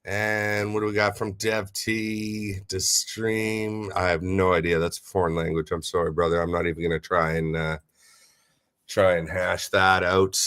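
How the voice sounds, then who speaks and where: Male livestream host, slightly low, congested and nasal from a cold, upbeat and chatty. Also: flat delivery, measured pace, smooth. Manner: upbeat, shout-outs to listeners. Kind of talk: casual livestream chat.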